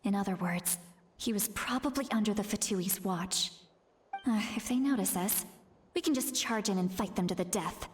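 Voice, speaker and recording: A woman's voice: mid-range voice, normal speed, slight background noise, close to an everyday voice. A woman playing a brash, impatient tribal warrior in a video game, with a hot-tempered, muttering manner. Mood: focused, urgent, then agitated, fretting. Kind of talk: video game character voice acting.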